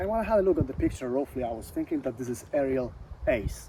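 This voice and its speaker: Talking at a very fast pace, a man speaks with a Polish accent. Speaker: motorcycle channel host. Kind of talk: video intro and interview.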